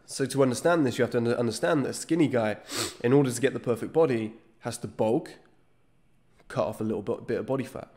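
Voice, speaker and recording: A man's voice: mid-range voice, fast talker, a little mellow. Nasal man with a cold. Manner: earnest, gesturing with his hands while explaining. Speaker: fitness channel host. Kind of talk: direct-to-camera talk. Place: small indoor studio room. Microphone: studio microphone on a desk stand.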